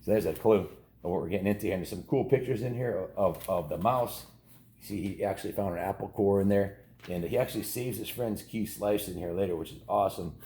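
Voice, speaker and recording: A man's voice: deep voice, a little fast, dark tone. A man in his fifties with an American accent, reading a children's book aloud with informal, jokey asides. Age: 50s. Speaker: children's book reader and host. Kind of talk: casual read-aloud with asides to viewers.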